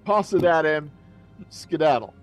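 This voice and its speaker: A man's voice: a little high, lively intonation, measured pace, music in the background. An older man playing in a tabletop game over a video call, cracking wry, playful jokes. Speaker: player. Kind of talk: joking table talk. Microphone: headset.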